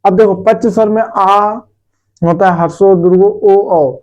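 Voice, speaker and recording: A man with a high-pitched but dark, mellow tone teaches a grammar lesson to children. He keeps asking the class questions and answering them himself, and he draws out vowel sounds slowly to show how each one is made. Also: steady tone, highs cut off, faint music behind. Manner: talks to students directly, asks and answers his own questions; says sounds aloud slowly to demonstrate them.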